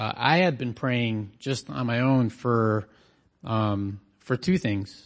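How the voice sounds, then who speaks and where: Here a man talks at a very slow pace. His pitch sits in the medium range. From Southeast Asia. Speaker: church member on mission trip. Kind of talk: church mission report.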